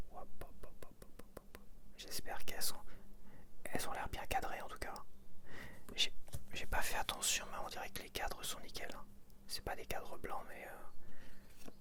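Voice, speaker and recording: A man doing casual ASMR commentary in a whisper, murmuring unhurried, fragmentary remarks to the listener. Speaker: ASMR creator.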